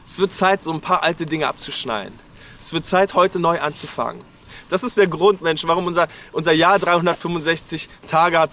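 A man's voice: fairly high pitch, fairly bright tone, a little hiss or hum. A man from Berlin preaching a sermon and speaking directly to listeners, urging them with frequent calls of "hey". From Berlin, Germany. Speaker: pastor. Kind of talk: New Year sermon.

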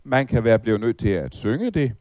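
Lively-voiced male Danish preacher. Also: mid-range voice, no room sound. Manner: lively, rhetorical questions, recites hymn verses. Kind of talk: Bible teaching talk.

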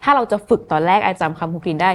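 A woman's voice: on the low side, lively intonation, rapid-fire, a little hiss or hum. A woman hosting an interview, affirming what her guest says and asking follow-up questions. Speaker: podcast host. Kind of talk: interview conversation.

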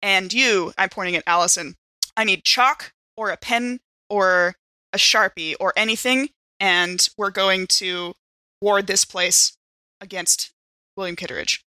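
A woman takes part in a tabletop roleplaying game, talking casually as she acts and plays. Her voice is bright and crisp-edged. It is recorded dry, without room sound. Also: medium pitch, unhurried, dry recording, rough recording. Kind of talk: casual in-character play and game chat.

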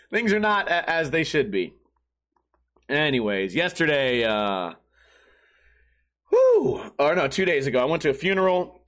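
High-pitched guy hosting a stream podcast, kinda hoarse, losing his voice, rambly and swears a lot. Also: a bit bright. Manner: loose, rambling and profane. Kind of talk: casual livestream chat.

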